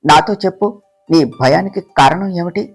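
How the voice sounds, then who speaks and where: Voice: mid-range voice, moderate pace, voice pushed down, close to an everyday voice. A narrator doing a tender worried husband. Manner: tender, coaxing. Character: loving young husband, anxious and reassuring. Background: soft guitar music.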